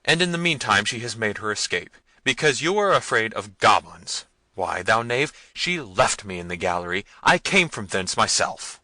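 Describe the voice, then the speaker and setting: A man's voice: fairly low pitch, big pitch swings, moderate pace, hardly any pauses, sharp tone, no room sound, full character voice. A man voicing an imperious, short-tempered prince in a gothic story, commanding and scornful. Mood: furious, commanding. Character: imperious, hot-tempered prince and castle lord. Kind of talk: dramatised gothic novel reading.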